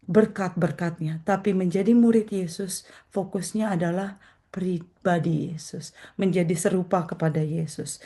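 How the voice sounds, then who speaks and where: A woman's voice: on the low side, warm tone. A woman evangelist giving a morning prayer sermon, earnest and repeating phrases for emphasis, addressing her listeners as brothers and sisters. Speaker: evangelist preacher.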